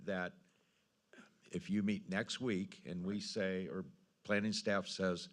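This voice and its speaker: Male council member, American, low voice, informal meeting-room questioning and discussion. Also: fairly even intonation, takes it slowly.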